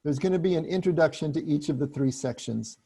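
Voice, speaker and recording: A man leading a group book study, explaining passages in a relaxed, chatty way with frequent restarts. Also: a little high, fast, vocal fry, breathy edge.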